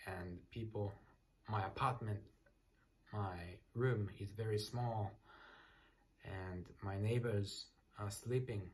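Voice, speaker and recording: A man in his thirties from Japan with a Japanese accent, speaking English softly and hesitantly at night in a small apartment room, searching for words with many fillers. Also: fairly low pitch, slight background noise. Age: 30s. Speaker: English learner. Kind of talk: casual self-introduction to camera.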